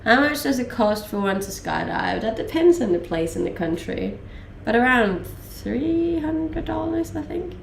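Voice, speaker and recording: A young woman from Denmark with a mixed Danish and Australian accent, chatting casually with stream viewers, relaxed and laughing, a little under the weather. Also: fairly high pitch, a little slow, gravelly, hardly any pauses, roomy sound, slight background noise. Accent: Danish-Australian mix. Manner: relaxed, laughing, many fillers. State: a little sick. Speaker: livestreamer. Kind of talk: casual chat reading viewer questions.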